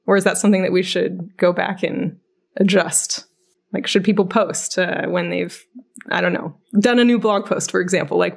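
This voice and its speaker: A woman hosting a casual podcast discussion, speaking in a questioning, conversational way with frequent use of "like". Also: medium pitch. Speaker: podcast host.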